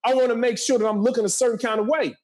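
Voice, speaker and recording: A man in his forties speaks in a strikingly high register. He delivers motivational talk with a preacherly drive, hammering key phrases by repeating them. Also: steady tone, racing, a little mellow. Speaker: podcast guest, motivational speaker and entrepreneur.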